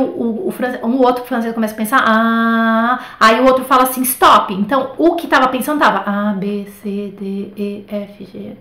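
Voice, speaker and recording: A woman's voice: high-pitched, roomy sound. Chatty Brazilian woman teaching French. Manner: chatty, animated, many fillers like tá and né. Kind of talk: casual online lesson, live.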